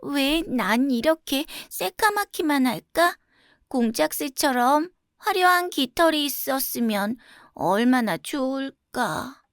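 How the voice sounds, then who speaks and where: A woman voicing a self-conscious young crow in an earnest, childlike, expressive storybook style. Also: high voice, takes it slowly, dry recording, clean studio sound, voice pushed up, exaggerated voice. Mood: wistful, dejected.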